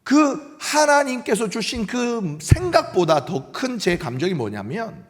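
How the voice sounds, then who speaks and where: A middle-aged senior pastor from Korea's Gyeongsang region delivers a sermon in a Gyeongsang accent, his voice slightly high and his pace unhurried. He is animated, acting out the voices he quotes and sometimes dropping to near-whispers, all under a long church echo.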